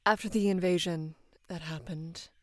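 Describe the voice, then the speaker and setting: A young woman in her twenties playing a devoted female knight in love with her queen, speaking hesitantly and deferentially in a soft, breathy voice for intimate roleplay audio. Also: fairly low pitch, steady tone, lightly acted. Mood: dutiful, hesitant. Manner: hesitant, halting, deferential, earnest.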